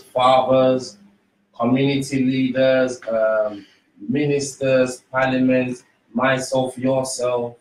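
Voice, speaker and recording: A man answering as a radio interview guest in an earnest, deliberate way, often in short listed phrases. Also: medium pitch, darkish tone. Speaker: studio guest, community ambassador. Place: small radio studio. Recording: roomy, distant, noisy studio pickup.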